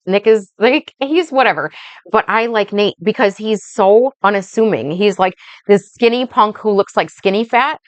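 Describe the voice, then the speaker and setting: A woman life coach rambling through a casual vlog monologue, slow and blunt, swearing freely and checking in with "right?" and "okay?". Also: mid-range voice, no echo. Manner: speaks slowly.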